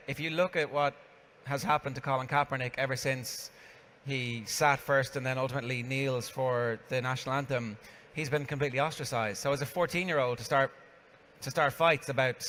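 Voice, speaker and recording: A man's voice: medium pitch, moderate pace, fairly bright tone. Man interviewing on a reverberant stage. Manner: conversational, builds up to his questions. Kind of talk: onstage conversational interview. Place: conference stage. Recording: reverberant hall with faint background noise.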